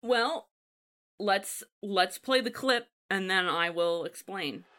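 Co-host, woman, bright tone, relaxed conversational delivery. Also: medium pitch, slow. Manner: laid-back, explaining and laughing along. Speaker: podcast co-host. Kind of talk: casual chat.

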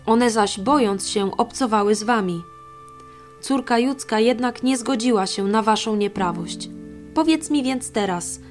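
Woman reading young judge daniel, stern accusing voice, kinda high. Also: lightly acted. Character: young man Daniel, bold righteous judge.

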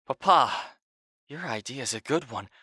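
Forceful, blunt grown son. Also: male voice, mid-range voice, expressive, moderate pace, slightly rough, dry recording, clean studio sound. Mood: forceful, angry. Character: grown son, blunt, fierce family peacemaker. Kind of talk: audio drama acting.

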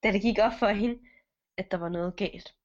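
Woman telling a story, lo-fi sound. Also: medium pitch. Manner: casual, many fillers, acts out voices. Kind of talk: improvised storytelling. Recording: dull lo-fi recording.

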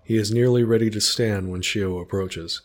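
A man narrating a story in a calm, descriptive way. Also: on the low side, moderate pace.

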